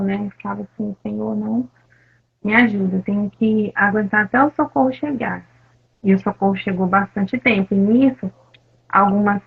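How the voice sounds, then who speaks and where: Brazilian woman, husky voice, tinny video-call sound, gentle hesitant testimony. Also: mid-range voice. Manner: soft, halting, many fillers. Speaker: interview guest, attack survivor. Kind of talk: emotional personal testimony. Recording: phone-like narrow sound.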